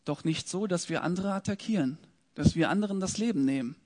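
A man's voice: sits high, brisk, a little mellow. A man teaching from the Bible, reading verses aloud and then retelling them in casual words with questions to his listeners. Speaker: preacher.

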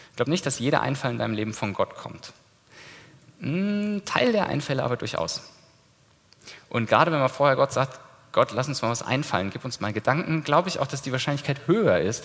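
Casual preaching man in an echoing hall. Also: mid-range voice. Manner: lively, informal preaching with casual slang. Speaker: pastor. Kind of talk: sermon. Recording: long hall reverb.

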